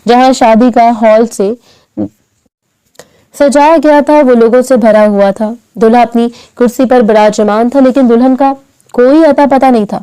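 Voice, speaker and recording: A woman reading a dramatic short story aloud, voicing every character's lines in an even storytelling voice. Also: on the high side, clean tone, no room sound, low-quality recording. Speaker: narrator. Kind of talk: scripted story narration.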